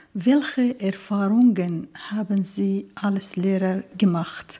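A woman with an Arabic accent speaks very slowly at a medium pitch, with ordinary pitch variation. Her tone is dark and mellow, and somewhat breathy. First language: Arabic (speaking German). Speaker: radio journalist. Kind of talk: interview.

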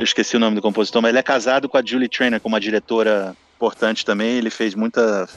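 A man talks very fast at a medium pitch, his intonation flat and monotone. The sound is dry and close, with no echo. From Brazil. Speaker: film and game composer. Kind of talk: casual chat.

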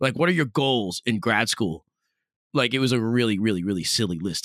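Recorded very cleanly with a silent background, a man talks at a moderate pace in a medium pitch with ordinary variation. His tone is animated and bright, sharp, and the sound is dry and close with no echo. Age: 40s. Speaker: violinist and composer. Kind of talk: interview.

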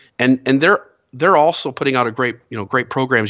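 A man with a Midwestern American accent. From Ohio, US Midwest. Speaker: podcast host. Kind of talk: casual interview.

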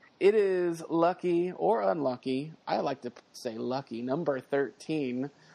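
In an American accent, a man speaks fairly slowly at a fairly high pitch with lively intonation and hardly any pauses. It is an unremarkable speaking voice. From Dallas, Texas. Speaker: co-host, horror fan. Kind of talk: casual podcast chat.

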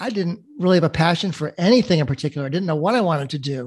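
A man's high-pitched voice with ordinary pitch variation, over a quiet background. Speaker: realtor and podcast host. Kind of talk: interview, casual chat. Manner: soft-spoken.

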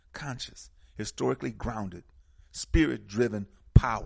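Over a quiet background, a man talks at a moderate pace with vocal fry in his voice. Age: 70s. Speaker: radio host. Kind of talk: live radio talk show. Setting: phone-in radio show.

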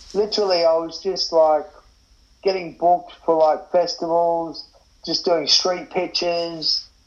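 With an Australian accent, a man speaks in a monotone, flat intonation at a high pitch. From Australia, Brisbane. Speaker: street performer. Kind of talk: interview. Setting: video call.

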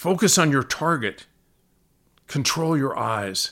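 Intonation is lively as a man talks at a very slow pace. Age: 80s+. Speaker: sports psychologist and performance coach. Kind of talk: scripted narration. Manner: formal.

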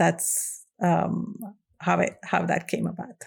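Vocal fry marks this woman's voice. The recording is very clean and the background silent. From India. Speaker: quilter and software engineer. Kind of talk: casual interview. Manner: hesitant, with fillers and restarts.

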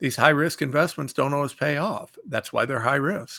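A man's fairly high pitch with vocal fry and an American accent. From Ohio. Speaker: podcast host. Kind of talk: solo commentary monologue. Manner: animated, repetitive.

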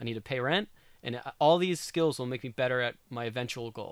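A man talks at a fairly quick pace in an unremarkable speaking voice. His pitch is medium, with ordinary variation. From New York, US East Coast. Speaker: filmmaker and web series producer. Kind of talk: interview conversation.

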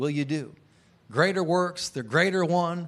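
A man with an American accent talks at a moderate pace in a high voice with fairly even intonation, on a very clean recording with a silent background. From Oregon, US Pacific Northwest. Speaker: missionary preacher. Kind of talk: sermon.

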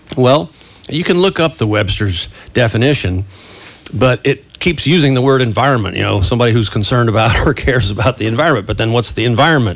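With an American accent and lively intonation, a man speaks over noticeable background noise. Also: medium pitch for a man. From Northern Virginia, US. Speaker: radio co-host. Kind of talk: radio interview. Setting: studio.

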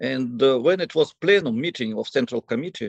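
Lively intonation in a Russian accent, with a dry, close sound, no echo and a quiet background. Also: man. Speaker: professor. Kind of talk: interview. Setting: video call.

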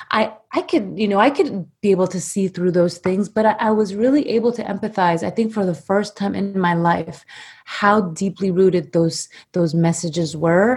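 A woman with a medium pitch talks in a somewhat breathy voice. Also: ordinary pitch variation, moderate pace. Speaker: guest, relationship coach and partner of host. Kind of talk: podcast interview, personal conversation.

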